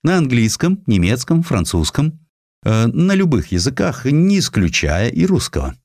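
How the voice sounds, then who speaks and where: A man's voice: mid-range voice, very animated, normal speed, darkish tone, no echo, studio quality, pitched above the performer's own voice. A man playing a celebrated, forthright and learned Russian general in a dramatized audiobook. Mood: brisk, courteous.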